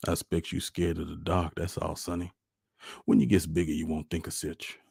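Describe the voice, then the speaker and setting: A man playing a gentle, wistful country father with a rural Southern accent and a folksy, plainspoken manner in a storybook reading. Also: low voice, monotone, normal speed, gravelly, breathy edge, no echo, clean studio sound, full character voice.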